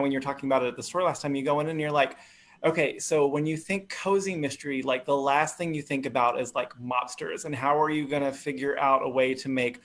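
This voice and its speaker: A man's voice: fairly high pitch, fairly bright tone. An American man hosting a casual interview, speaking informally and feeling his way through his questions. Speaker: bookstore event host, interviewer.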